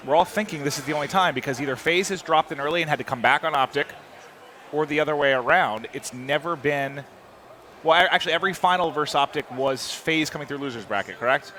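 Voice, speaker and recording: A male esports commentator chatting casually between matches, quick and chatty, often correcting himself mid-sentence. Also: a little high, bright, forceful tone. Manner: fast, chatty, self-correcting.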